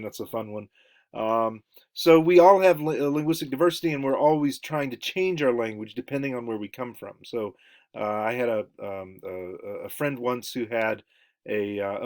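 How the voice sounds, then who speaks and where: A man giving a lecture, halting with many fillers and restarts. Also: mid-range voice. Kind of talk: recorded lecture.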